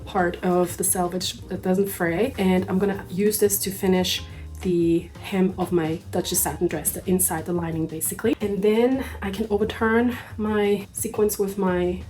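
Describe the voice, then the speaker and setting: A woman's voice: fairly low pitch, steady tone, moderate pace, darkish tone, faint music behind. A woman from Austria, talking casually through a sewing project, her voice a little sick. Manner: chatty, self-deprecating asides. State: slightly sick voice. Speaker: sewing vlogger. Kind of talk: casual sewing vlog narration.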